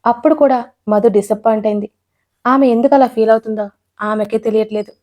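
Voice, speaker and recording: A woman narrating an audio romance story in an expressive storytelling way, voicing all the characters herself. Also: a little high, quick pace. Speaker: writer and narrator.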